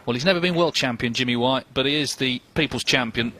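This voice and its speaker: A man's voice: medium pitch, fast. A man giving live snooker commentary as a match commentator. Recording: crowd ambience and noise behind. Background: snooker arena crowd and ambience.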